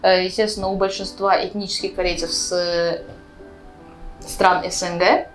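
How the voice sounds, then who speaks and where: A woman's voice: fairly low pitch, level tone, moderate pace, soft background music, poor audio. A woman in her twenties from Uzbekistan, speaking as a guest in a casual, conversational explanation, often checking in with her listener. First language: Russian. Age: 20s. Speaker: guest, vlogger.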